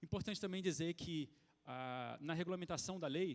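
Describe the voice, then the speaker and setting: This man speaks in a high pitch with ordinary pitch variation, and the sound is dry and close with no echo. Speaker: forensic expert speaker at a workshop. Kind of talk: conference talk. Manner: hesitant, many fillers; fast.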